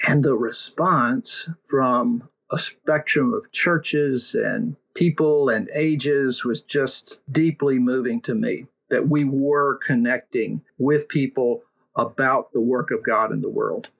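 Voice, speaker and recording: A middle-aged man talking as an interview guest in an earnest, halting way, often repeating words and adding fillers. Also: mid-range voice, vocal fry, a bit bright, husky. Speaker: mission organization director, guest. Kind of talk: interview conversation.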